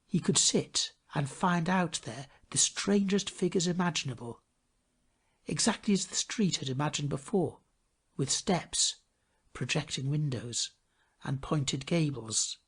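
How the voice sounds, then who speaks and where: A man narrating a fairy tale as a storyteller, reading a script in an expressive, measured way. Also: fairly high pitch, husky.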